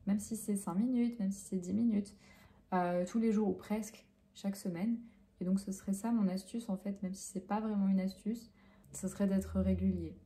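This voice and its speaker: Very dark-voiced hesitant Frenchwoman. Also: medium pitch, steady tone, moderate pace. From France. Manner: hesitant, many fillers and self-corrections. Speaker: French teacher. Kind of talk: answering interview questions.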